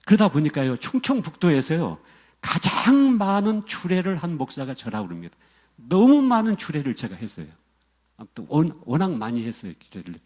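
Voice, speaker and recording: A man's voice: a little high, sing-song, normal speed, a little mellow. A middle-aged male pastor preaching a sermon to his congregation, emphatic and repetitive, often calling out to the listeners directly.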